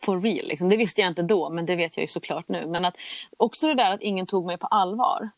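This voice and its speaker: Young woman, low voice, candid podcast storyteller who acts out dialogue, dry close mic. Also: no room sound. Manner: candid, chatty, acts out quoted exchanges. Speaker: guest telling her story. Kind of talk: casual personal storytelling.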